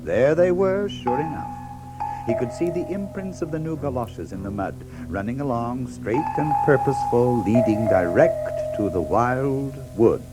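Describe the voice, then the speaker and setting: A man's voice: mid-range voice, expressive, measured pace, low-quality recording. A man narrating a children's story in a dramatic, scripted storybook style. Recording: music behind the narration.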